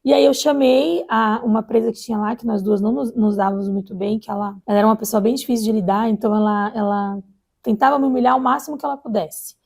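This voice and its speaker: A woman from Brazil telling her own life story in an interview, halting with many restarts. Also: a little high, fairly even intonation, gravelly, a little mellow. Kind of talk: personal life testimony.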